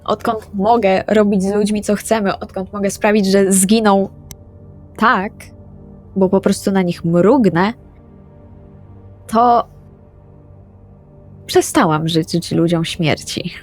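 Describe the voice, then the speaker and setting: A woman's voice: mid-range voice, steady tone, slow pace, pauses often, faint music behind. Woman playing earnest, remorseful young vampire woman. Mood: earnest, hesitant. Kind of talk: improvised roleplay audio drama.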